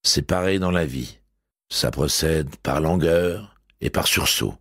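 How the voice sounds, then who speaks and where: A dreamy, mild-mannered police commissioner from an audiobook, voiced by a man. He speaks in an unhurried, musing way, with a deep, raspy voice. The sound is close and dry. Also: fairly bright tone, no echo, full character voice.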